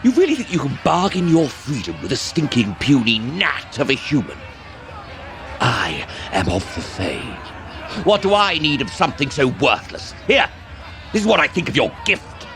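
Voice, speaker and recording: An actor playing a gloating, cruel dark elf lord in an audio drama, theatrical and mock-sweet as he savors each word. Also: mid-range voice, wildly swooping pitch, normal speed, over music. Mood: contemptuous. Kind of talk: scripted audio drama acting.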